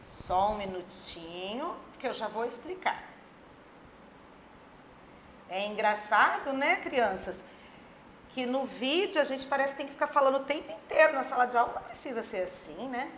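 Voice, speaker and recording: Woman, teacher, high lively voice, children's lesson, faint room noise, drifts off mic. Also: moderate pace. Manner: plays imagined pupils' questions.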